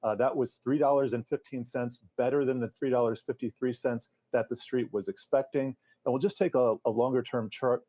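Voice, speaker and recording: Mellow-voiced man reporting financial news. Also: mid-range voice, fairly even intonation, brisk, hardly any pauses. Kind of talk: financial news reporting, partly reading figures.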